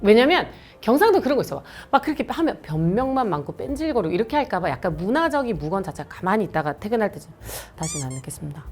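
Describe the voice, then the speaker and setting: Gyeongsang-accented woman host, lively pitch, casual advice talk, acts out dialogue. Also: fast, few pauses. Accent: Gyeongsang Korean. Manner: animated, acts out quoted dialogue. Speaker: host giving dating advice.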